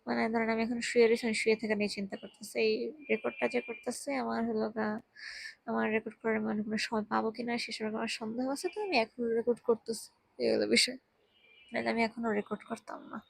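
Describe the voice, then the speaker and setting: A tired young woman, speaking very softly while lying down at home, giving casual health advice into a handheld mic. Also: fairly high pitch, little pitch movement, fast, creaky, husky, no room sound, poor audio. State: tired, drowsy. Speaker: vlogger. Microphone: handheld microphone.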